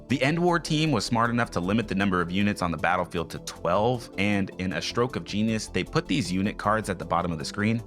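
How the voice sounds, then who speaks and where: A man's voice: low-pitched, a bit bright. A man narrating a scripted video game review as a scathing, sarcastic critique, blunt and full of swearing. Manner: blunt, profane.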